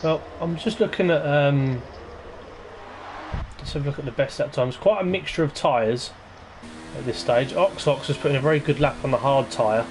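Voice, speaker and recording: Male league commentator, hesitant, rambling previews, mid pitch. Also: moderate pace, darkish tone, slight background noise. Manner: rambling and hesitant, lots of ums. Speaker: lead commentator of an online racing league. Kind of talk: casual race-preview commentary.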